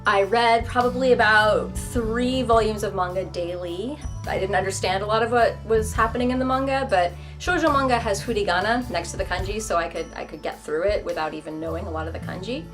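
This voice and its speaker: A young woman talking straight to the camera in a relaxed, chatty way, poking fun at herself and slipping into quick playful asides. Her voice sits at an ordinary middle pitch. Music plays clearly behind her throughout. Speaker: vlogger. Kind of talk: casual talk to camera.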